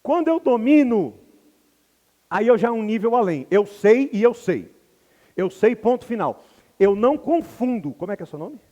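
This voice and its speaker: A man's voice: high-pitched, normal speed, long reverb tail. A man from Brazil teaching English to a live audience, telling stories animatedly and acting out the people in them. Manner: animated storytelling, acts out characters. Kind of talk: lively lecture with acted anecdotes.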